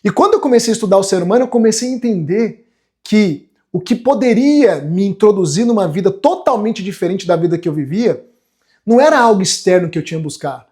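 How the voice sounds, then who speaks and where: Fairly quick and lively in intonation, the high, darkish voice belongs to a Brazilian man in his forties coaching self-development online. He delivers a motivational live lecture with earnest emphasis, repeatedly making sure viewers agree.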